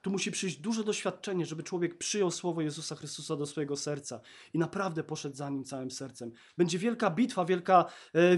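A man preaching a sermon in an earnest way, swinging between emphatic passages and soft, hushed ones. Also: on the high side.

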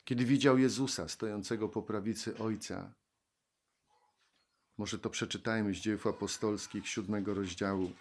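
A man preaching a sermon, reading Bible verses and speaking slowly and reflectively, then rising into fervent exclamations. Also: lowish voice, fairly even intonation, darkish tone, a little hiss or hum.

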